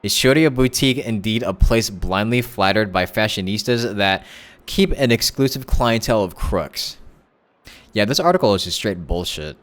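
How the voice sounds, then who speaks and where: A man's voice: lowish voice, expressive, moderate pace, a bit bright. A man livestreaming a game, reading text aloud with stumbles and reacting in casual, slangy commentary.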